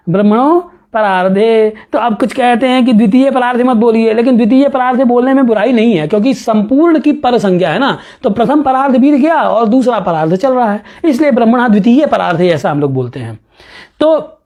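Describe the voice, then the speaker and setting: A male professor giving a lecture on a classical astronomy text. He reads verses slowly, then explains them with rhetorical questions and chuckling asides. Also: extremely high pitch, expressive, darkish tone.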